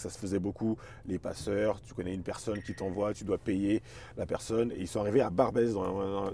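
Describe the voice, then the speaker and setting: Mellow man, searching for words. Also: deep voice, a little hiss or hum. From Paris suburbs, France. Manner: hesitant, repeats words while searching for phrasing. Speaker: interview guest, chess teacher and performer. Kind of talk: casual, reflective interview talk.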